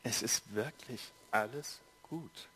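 A man voicing a gentle, fatherly king who speaks softly and slowly to comfort a frightened child. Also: mid-range voice, lively intonation, gravelly, slightly rough, full character voice. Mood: gentle reassuring. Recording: long hall reverb.

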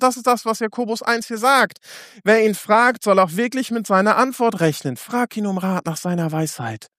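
A man with a high voice preaches a sermon, earnest and direct, asking his listeners questions. He sometimes stumbles and restarts a word. The sound is dry and close, with no room echo. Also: a bit bright.

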